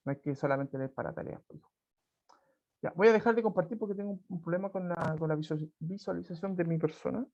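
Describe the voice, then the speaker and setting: A man's voice: a little high, fast talker, a little mellow. Chilean man teaching over a dull call. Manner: conversational, frequent tag questions and restarts. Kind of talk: online class, reading and explaining a folk tale. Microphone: video call. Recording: dull lo-fi video call audio.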